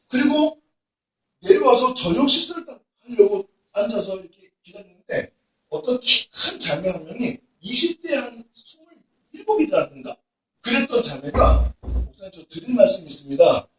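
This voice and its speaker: 남자 목사가 학생들에게 생생한 이야기를 섞어 가며 부흥회 설교를 하고, 중간중간 힘주어 외치듯 강조합니다. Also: male voice, very high voice, moderate pace. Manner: animated storytelling with emphatic outbursts. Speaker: pastor. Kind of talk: revival sermon to students. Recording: echoey hall from far off.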